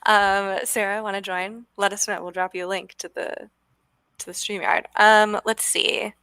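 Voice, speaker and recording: A woman's voice: mid-range voice, level tone, normal speed, sharp tone, smooth, no echo. A woman co-hosting a live coding stream, chatty and bubbly, reading out comments from the chat.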